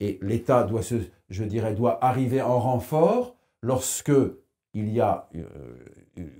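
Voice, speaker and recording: A man's dark, mellow tone comes through somewhat breathy, the background quiet. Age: 60s. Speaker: priest and newsletter editor; priest, newsletter editor. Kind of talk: panel discussion. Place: studio. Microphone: lapel.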